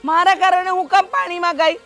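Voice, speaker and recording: An actress with a Kathiyawadi accent playing a sharp-tongued village housewife who argues and complains in an exasperated way. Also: female voice, on the high side, moderate pace, natural voice. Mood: arguing. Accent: Kathiyawadi Gujarati. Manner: exasperated, nagging. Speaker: wife and sister-in-law. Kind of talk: village family drama acting.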